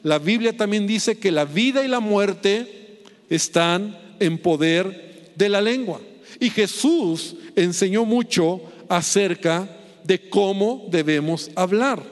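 A man's voice: high voice, long reverb tail. A middle-aged man preaching a sermon, chatting with the congregation and checking in with constant tag questions.

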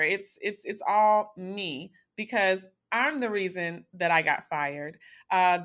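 A woman's voice: medium pitch, a bit bright. A young woman telling a candid, self-deprecating story about her own life in a conversational way.

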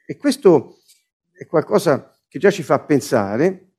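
A man's voice: on the high side, sing-song, slow pace, darkish tone, breathy edge. A man preaching a sermon, explaining scripture line by line and restating its words as he goes.

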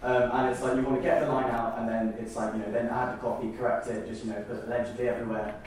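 A man's voice: medium pitch, little pitch movement, quick pace, darkish tone. A man on a discussion panel talks in a loose, chatty way. His voice sits in the middle range. He sounds distant in a very echoey hall, with a faint hiss of room noise.

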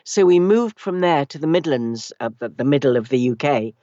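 A British woman from Wales whose first language was Welsh, speaking as an interview guest with a wry, measured way of telling stories. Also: low-pitched, lively intonation, dark tone, dry recording. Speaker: guest, actor and narration coach. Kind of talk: relaxed interview chat. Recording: dull lo-fi dry sound.

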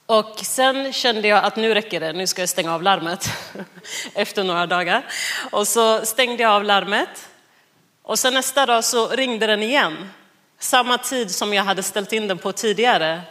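A woman's voice: medium pitch, a bit bright. Laughing, storytelling woman preacher. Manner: chatty, self-mocking, laughs often; acts out quoted dialogue. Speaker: guest preacher. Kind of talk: sermon with personal anecdote.

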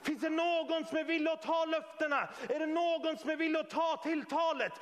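A man preaching, voicing God as a mighty male warrior who calls out loudly and taunts his enemy. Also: very high-pitched, steady tone, in a large hall, pitched above the performer's own voice. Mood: rallying. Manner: rousing, calling out loudly.

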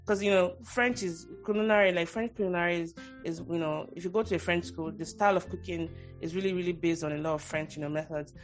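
A woman's voice: lowish voice, steady tone, quick pace, few pauses, faint music behind. A woman with a Nigerian accent hosting a podcast interview, talking in long rambling thoughts that restart often. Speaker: podcast host. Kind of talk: casual interview chat.

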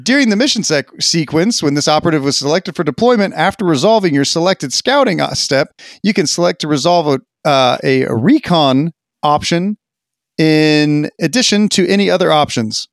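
A man co-hosting a casual gaming podcast, talking in an animated, sarcastic way. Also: fairly high pitch, moderate pace, no room sound, studio quality. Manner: animated, sarcastic, swings loud and quiet. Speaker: podcast co-host.

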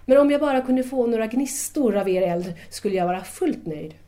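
Actress doing a shy eager schoolgirl of seventeen, soft mellow voice, polite and unsure, audio play. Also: fairly high pitch, expressive, close to an everyday voice. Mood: admiring. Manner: polite, tentative, deferential. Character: shy, admiring seventeen-year-old schoolgirl, eager, insecure. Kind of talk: audio drama dialogue.

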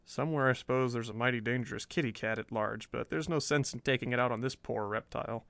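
Guy doing a cheery laid-back reporter, soothing, kinda soft. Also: medium pitch, fast talker, no echo, lightly acted. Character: cheerful, easygoing male reporter.

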